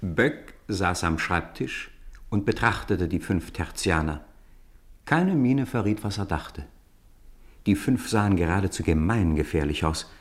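Low-voiced male storyteller. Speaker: narrator. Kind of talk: scripted storytelling narration for a radio play.

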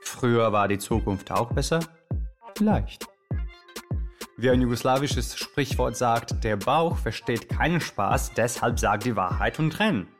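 An actor playing an excitable, euphoric Yugoslav male radio host with a theatrical, rambling way of moderating a live show. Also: medium pitch, a little slow, lightly acted. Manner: theatrical, rambling, exuberant, switching from hushed to shouting. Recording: music behind the voice. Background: music.

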